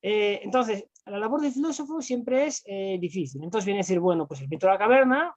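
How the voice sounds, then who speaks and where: A man's voice: sits high, expressive, brisk, dry recording. A man, a guest explaining philosophy in conversation, who talks on in long runs full of fillers and rhetorical tags. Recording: dull, lo-fi dry sound.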